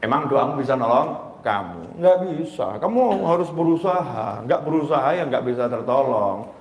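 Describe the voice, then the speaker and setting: A preacher voicing a whispering male devil that mocks and discourages the listener, with a low, needling manner. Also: expressive, normal speed, a little mellow, close to an everyday voice. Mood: taunting. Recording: echoey hall reverb.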